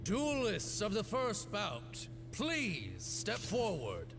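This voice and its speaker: A ceremonial duel referee in a video game, formally announcing each bout. His gravelly voice sits high and moves with lively pitch at a slow pace. Game music plays behind it. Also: heavily acted. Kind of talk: game voice acting. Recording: game audio over music.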